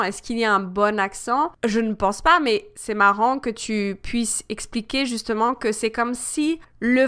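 A woman from France hosting a conversation about the French language, listening closely and answering with soft affirmations. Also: on the high side, clear, resonant tone. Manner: attentive, frequent soft affirmations. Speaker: podcast host, French teacher. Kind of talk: casual conversation.

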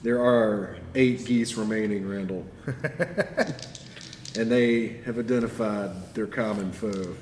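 A game master narrates the action slowly, with an amused and unhurried delivery. The room is echoey with a long tail, and faint ambience sits behind his voice. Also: lowish voice, steady tone, a little mellow, slight background noise.

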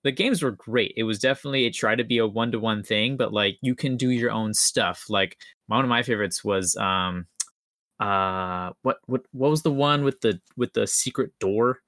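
A man's voice: fairly low pitch, moderate pace, a bit bright, no room sound, clean studio sound. A young man podcast co-host chatting casually in an enthusiastic, rambling, slangy way. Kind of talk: casual chat.

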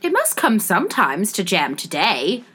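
A woman's voice: mid-range voice, wildly swooping pitch, measured pace, pushed and bright, husky, heavily acted. A woman voicing a polite, puzzled young storybook girl, speaking timidly and courteously, often questioning.

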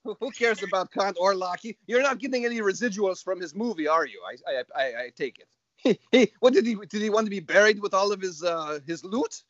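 A man playing a chatty, scatterbrained skeleton dad who hosts a comedy show, rambling excitably, repeating phrases and tagging sentences with "right?". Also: high-pitched, a little fast, no echo, muffled recording. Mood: chatty, eager. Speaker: show host. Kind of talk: improvised comedy skit banter.

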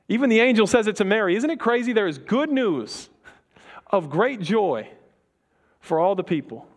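A young man preaching a sermon in a relaxed, conversational way, with quick asides and slang. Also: high-pitched. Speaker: pastor.

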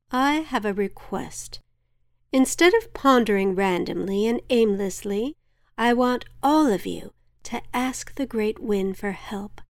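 A woman doing a calm village elder. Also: mid-range voice, no room sound, studio quality. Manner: measured, soothing address.

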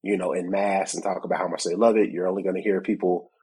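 A man's voice: deep voice, level tone, fast talker, a little mellow, husky. A man co-hosting a tech podcast in casual chat, a bit congested from a cold, who laughs often and acts out both sides of conversations. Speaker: podcast co-host.

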